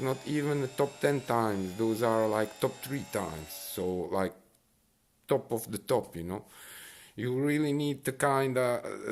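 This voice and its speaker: A man's voice: on the low side, slight background noise. A man giving casual, rambling commentary while playing a racing game, full of fillers and restarts. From Bosnia and Herzegovina. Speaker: mobile racing game streamer.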